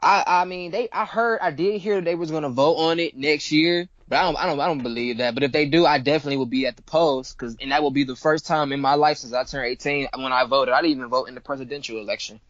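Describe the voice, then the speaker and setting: Speaking fast with hardly any pauses, a Cleveland, Ohio rapper in his twenties guests on a casual interview, laid-back and slangy, saying things more than once. His voice is on the high side and fairly bright, the recording dry with no room sound and its highs cut off.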